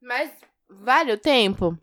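Expressive Brazilian woman, smooth dry voice. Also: a little high, slow, no echo. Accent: Brazilian Portuguese. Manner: expressive, dramatic, swears often. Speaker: podcast co-host. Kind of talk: casual chat.

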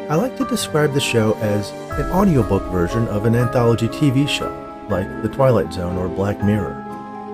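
A man hosting his fiction podcast, reading scripted introductions and stories in an audiobook style. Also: fairly low pitch. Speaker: podcast host, writer and narrator.

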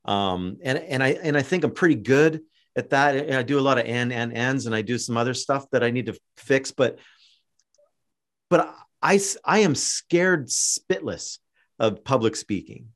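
A man's voice: mid-range voice, expressive, normal speed. A man with a Canadian accent hosting a podcast, talking casually and encouragingly to a guest, with many fillers and restarts. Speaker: podcast host. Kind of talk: casual interview chat.

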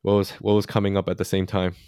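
A man's voice: low-pitched, completely flat delivery, quick pace, warm tone, clear, resonant tone, dry recording, studio quality. A man co-hosting a podcast, explaining money topics in a loose, chatty way and often checking in with "right?". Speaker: podcast co-host. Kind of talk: casual finance chat.

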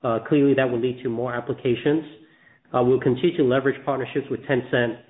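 A man speaks for a company on an earnings call, answering in a measured, businesslike way. His pitch is average for a man, and he comes through a narrow telephone band. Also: fairly even intonation. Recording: narrowband phone line.

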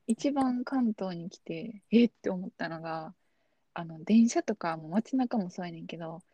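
A woman's voice: fairly low pitch, lively intonation, moderate pace, warm tone, no room sound, lo-fi sound. A young woman with a Kansai accent, chatting casually and telling anecdotes on a podcast. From Osaka, Japan. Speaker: podcast co-host. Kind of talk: casual chat.

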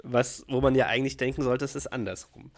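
A man's voice: mid-range voice, quick pace, a little hiss or hum. A man co-hosting a podcast in casual chat, setting up the scenes with hesitant fillers. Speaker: podcast co-host.

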